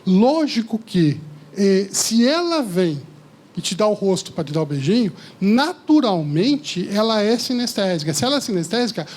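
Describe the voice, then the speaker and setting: A man giving a lively seminar talk to a live audience, often asking the listeners questions. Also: high voice, normal speed. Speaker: speaker at a seminar. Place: lecture hall with audience.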